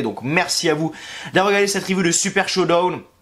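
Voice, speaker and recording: A man at a fairly quick pace, over noticeable background noise. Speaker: YouTuber, wrestling reviewer. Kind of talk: casual video review. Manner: fast; animated.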